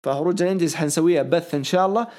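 A man talks fast and eagerly on a podcast, with a hoarse, worn voice. His pitch sits a little above the usual for a man. He rambles through excitable opinions in a loose, casual way. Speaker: podcast host. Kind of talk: casual wrestling podcast chat.

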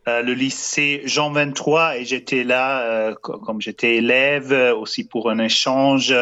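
Brief: German-accented priest in his 50s, slow and halting, dull lo-fi line. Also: medium pitch, fairly bright tone. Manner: halting, searching for words with many fillers and restarts. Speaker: priest and radio director. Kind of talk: radio interview answers.

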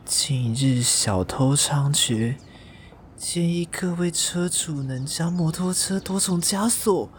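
A man's voice: fairly high pitch, slow, slight background noise. An actor with a Taiwanese accent playing a sweet, scatterbrained, easily flustered young gay man in a radio drama. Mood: grumbling. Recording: music behind the voice.

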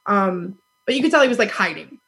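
A woman in her thirties with a loud voice, telling a dating story in casual chat, animated and laughing often. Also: medium pitch, fairly quick, slightly rough. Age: 30s. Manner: animated, laughs often, acts out quoted lines.

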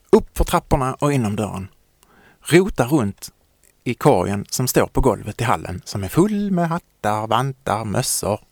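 A man narrating a children's story in a gentle, lively way. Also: medium pitch, dry recording, clean studio sound.

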